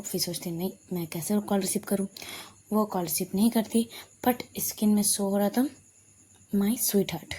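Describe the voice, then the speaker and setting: A woman narrates a love story in a casual, unscripted way, her pitch sitting in an ordinary middle range. She stumbles and corrects herself as she goes. A faint hiss of noise runs under the voice. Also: mellow. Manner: loose, chatty telling with frequent restarts and self-corrections.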